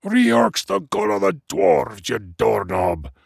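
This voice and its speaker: Gruff, croaky old dwarf. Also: male voice, fairly high pitch, takes it slowly, no room sound, studio quality, voice pushed up, exaggerated voice. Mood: irritable. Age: older. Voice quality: weak, croaking. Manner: irritable, groaning self-pity. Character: gruff, feeble old male dwarf, irritable and dramatic.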